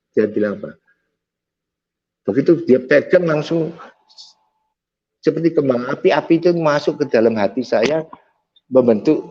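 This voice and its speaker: A man with a mellow, warm voice tells his own faith story in a lively way. He acts out each exchange and presses harder as the story turns dramatic. The recording sounds dull and lo-fi. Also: medium pitch. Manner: vivid storyteller who acts out dialogue, intense at dramatic moments. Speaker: testimony speaker. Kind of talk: personal faith testimony storytelling.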